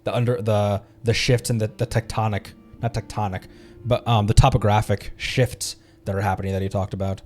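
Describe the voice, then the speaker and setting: A man streaming a game live, reading text aloud haltingly and adding his own commentary. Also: fairly low pitch, level tone, darkish tone, soft background music.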